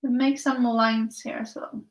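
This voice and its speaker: Female art tutor, slightly high pitch, very unhurried delivery, casual thinking-aloud live class style. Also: level tone. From Finland. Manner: unhurried, thinking aloud in short phrases while painting. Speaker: art teacher. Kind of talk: casual live painting tutorial with viewer chat.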